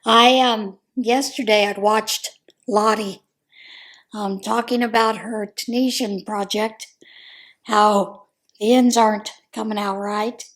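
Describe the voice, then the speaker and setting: Hoarse, chatty American woman vlogger. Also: medium pitch, steady tone, slow pace, fairly bright tone. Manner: chatty, rambling, with frequent ums. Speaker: crochet vlogger. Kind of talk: casual chat.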